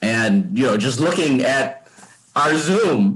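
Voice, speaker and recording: A man with an American accent talks in a fairly high pitch with lively intonation. It is an unremarkable speaking voice. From United States. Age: 50s. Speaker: guest preacher. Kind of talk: sermon. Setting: video call.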